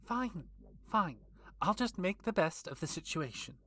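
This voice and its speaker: A woman's voice: on the low side, big pitch swings, measured pace, background noise. A woman playing a cold, vengeful vampire villainess in an audio drama, taunting with genteel menace. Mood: irritated.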